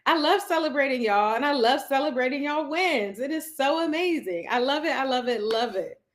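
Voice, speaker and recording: A woman's voice: sits high, lively intonation, normal speed. A woman lifestyle coach, hosting a casual live stream from her couch at home, greeting viewers and reading their comments aloud in an effusive, chatty way.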